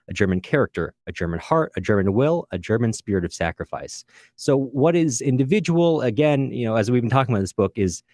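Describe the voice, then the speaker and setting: A man's voice: on the low side, a little mellow, dry recording. A man speaking as a podcast co-host in an unscripted literary discussion, earnest and discursive, often correcting himself as he goes.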